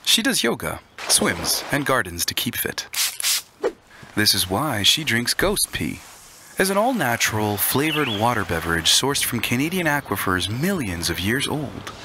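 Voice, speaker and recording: A man giving scripted commercial and explainer narration as a voice-over artist, in a clear, measured announcer delivery. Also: medium pitch, very animated, noisy background.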